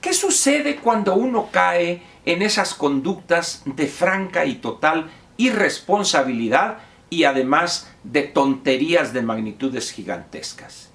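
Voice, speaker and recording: A man's voice: fairly high pitch, expressive, unhurried, fairly bright tone. A man with a Mexican accent giving a lecturing monologue of commentary, posing rhetorical questions to the viewer. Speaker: political commentator.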